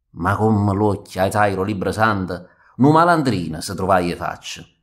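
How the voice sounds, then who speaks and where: Speaking with a Neapolitan accent at a moderate pace and fairly low pitch, a man is heard in a very clean recording with a silent background. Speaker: poetry reader. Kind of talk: poetry reading in Neapolitan verse.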